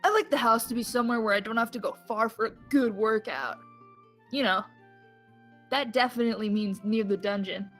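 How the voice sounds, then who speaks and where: A woman voicing a cheerful male villager from a game, reading his dialogue in a chirpy, upbeat way. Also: on the high side. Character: cheery male villager, sporty older brother.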